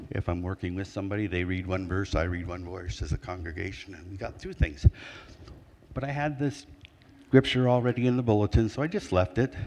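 An ordinary speaking voice, a man's, fairly low in pitch and at a fairly quick pace. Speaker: guest preacher. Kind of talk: sermon. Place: church.

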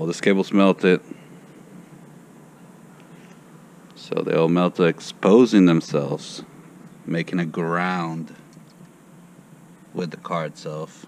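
A man talks very slowly in a very deep, low voice with fairly even intonation, leaving long, frequent pauses. Light background noise can be heard. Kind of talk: casual vlog chat. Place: garage. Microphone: phone near.

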